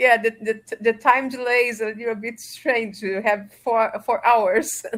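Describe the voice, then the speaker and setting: With a Portuguese accent, a woman speaks at a fairly slow pace, her pitch fairly high and her intonation fairly even. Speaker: event moderator, postdoctoral researcher. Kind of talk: moderating online Q&A. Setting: video call.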